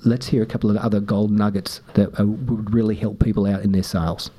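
A man, hosting a casual interview, animated and quick to interrupt, acting out little quotes. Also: on the low side. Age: 50s. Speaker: podcast host.

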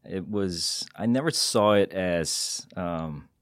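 A middle-aged man answers interview questions in a very low voice. He talks in a measured, hesitant way, full of small fillers. The studio sound is dry. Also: no echo. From Singapore. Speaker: guest, tech executive. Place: podcast studio.

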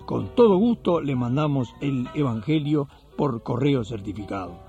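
A man's voice: mid-range voice, lively intonation, moderate pace, mellow, muffled recording, soft background music. An Argentine man hosting a religious radio program and telling stories in a colloquial, folksy way. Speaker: radio host and storyteller. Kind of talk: warm religious radio address and storytelling.

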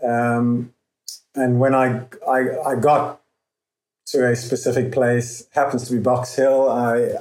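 A man's voice: mid-range voice, level tone, darkish tone. A man with a faint Zimbabwean accent, a guest in an interview, speaking earnestly and reflectively with some restarts. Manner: earnest, with frequent restarts and pauses. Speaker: guest, founder of a running event. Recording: roomy echo.

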